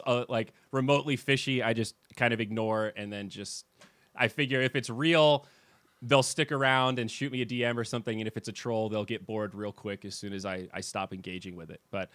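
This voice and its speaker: A man's voice: medium pitch, fairly even intonation, brisk, pushed and bright, no room sound. A man hosting a podcast in casual chat, rambling and thinking aloud as he goes. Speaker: podcast host.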